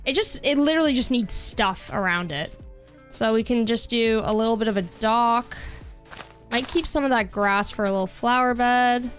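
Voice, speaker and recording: A woman's voice: fairly high pitch, moderate pace. A young woman casually chatting with her viewers while playing a game, bubbly and talkative, saying she is losing her voice. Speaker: streamer. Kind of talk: casual gaming livestream chat. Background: soft background music.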